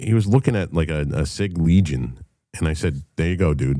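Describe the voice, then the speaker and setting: Speaking at a moderate pace with a New England accent, a man uses a very deep, low pitch and a dark, mellow tone with ordinary pitch variation. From New England (Massachusetts). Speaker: podcast host. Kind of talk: casual chat. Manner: casual, halting with many fillers.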